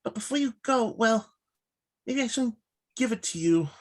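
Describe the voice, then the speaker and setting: A woman plays an eager young horror-movie superfan in a table read. The voice is high and slightly husky, and the delivery is awkward, rambling and halting. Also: lively intonation, darkish tone. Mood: eager, confiding.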